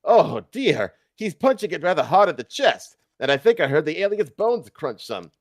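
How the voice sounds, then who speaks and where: Man putting on a flustered, high-pitched news reporter. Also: big pitch swings, normal speed. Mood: uneasy commentary. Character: flustered male TV news reporter, anxious live commentator.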